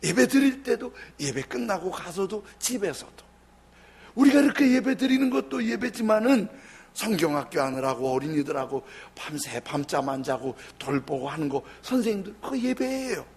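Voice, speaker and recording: Husky, animated male pastor preaching. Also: sits high, normal speed. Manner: lively storytelling, acts out quoted people. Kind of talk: sermon.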